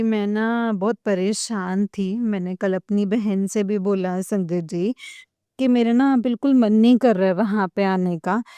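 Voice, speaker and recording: A devotee tearfully shares her devotional testimony, addressing the congregation with emotion again and again. Her mid-range voice is warm, clear and resonant, in a dry recording.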